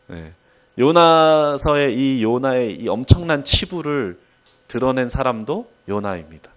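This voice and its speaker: A man preaching a sermon, telling a Bible story in an animated way with occasional chuckles. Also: medium pitch.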